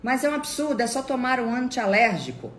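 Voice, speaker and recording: A woman's voice: a little high, big pitch swings, a little fast, reverberant, a little hiss or hum, pitched above the performer's own voice. A woman voicing a pushy acquaintance who keeps pressing and objecting in a raised, indignant tone.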